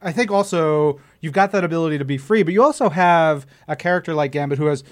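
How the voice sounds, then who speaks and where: Higher-voiced man, eager nerdy co-host. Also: fast talker. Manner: eager, nerdy, opinionated, interjecting. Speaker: co-host, comics professional. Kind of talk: casual fan conversation.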